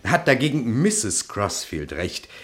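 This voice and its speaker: An actor playing a gruff, exasperated, sardonic police inspector in a German crime radio play. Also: male voice, medium pitch, very animated, slow, fairly bright tone. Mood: brooding, exasperated. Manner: insistent questioning, muttering and sardonic. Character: gruff, exasperated male French police inspector investigating a murder.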